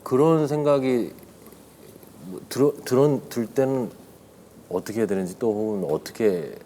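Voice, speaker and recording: A man's voice: mid-range voice, moderate pace, mellow, a little hiss or hum. A man who is an actor and a guest, chatting over drinks politely and reflectively, with some hesitation. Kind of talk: casual chat over drinks.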